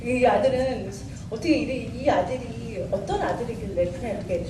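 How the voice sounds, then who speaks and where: A woman missionary preaching, retelling a Bible story with lively quoted dialogue. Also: a little high, moderate pace. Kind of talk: sermon storytelling. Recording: echoey room, far from mic, faint noise.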